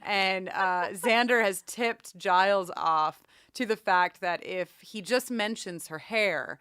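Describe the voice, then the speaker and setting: A woman co-hosting a casual podcast about television, chatting informally in an animated, teasing way. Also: medium pitch, takes it slowly, smooth, no echo, studio quality. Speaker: podcast co-host. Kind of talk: casual TV rewatch podcast chat.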